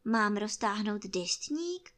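A woman reading a storybook, voicing a kind, patient young boy who answers in plain, short, calm replies. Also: mid-range voice, natural voice.

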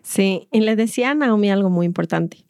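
A middle-aged woman who hosts a podcast, explaining calmly with rhetorical questions. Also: mid-range voice, brisk, dry recording, studio quality. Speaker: podcast host and mother. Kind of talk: reflective coaching talk.

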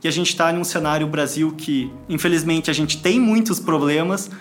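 A man's voice: on the high side, normal speed, soft background music. A man with a Brazilian accent speaking casually as an entrepreneur guest in an interview.

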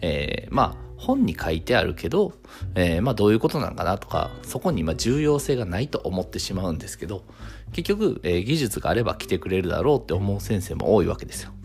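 A man talks through a solo radio monologue. His voice sits fairly low but rises and falls a lot. He keeps a calm, measured pace full of fillers, over soft guitar music in the background. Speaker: clinic owner and radio host.

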